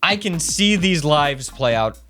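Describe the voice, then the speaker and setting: A man's voice: fairly high pitch, lively intonation, measured pace, sharp tone, soft background music. A man in his thirties from Tennessee, co-hosting a podcast in a casual, rambling way, often breaking off mid-sentence. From Nashville, Tennessee. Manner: rambling, self-interrupting, amused. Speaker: podcast co-host. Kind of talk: casual chat.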